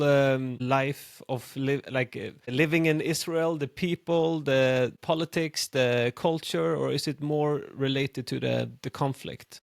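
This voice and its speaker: Male podcast host, mid pitch, halting questions full of fillers, dry recording. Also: vocal fry, dry recording. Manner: hesitant, many fillers and false starts when asking questions. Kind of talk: interview questions. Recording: dry, close-miked.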